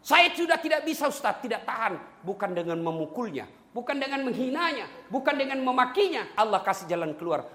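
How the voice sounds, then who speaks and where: A man preaching a sermon to a live audience, animated and joking, sometimes singing a line of a song. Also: high-pitched, brisk, hardly any pauses. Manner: animated, joking with the crowd, sings snatches of songs. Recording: echoey hall, light background noise.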